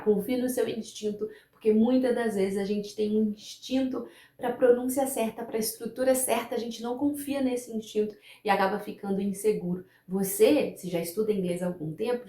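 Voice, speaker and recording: Woman English teacher, native Portuguese speaker, mid-pitched, patient and repetitive, roomy echo. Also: darkish tone. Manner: patient, repeats example words slowly for practice. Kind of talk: pronunciation lesson to camera.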